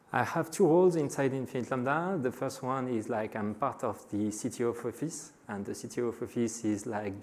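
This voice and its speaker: A middle-aged man with a French accent presents at a conference, speaking to the audience in front of him. He hesitates often and fills pauses with drawn-out "uh" sounds as he gathers his thoughts. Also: lowish voice. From France. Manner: frequent hesitations with many "uh" fillers; addresses a live audience. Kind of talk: conference talk.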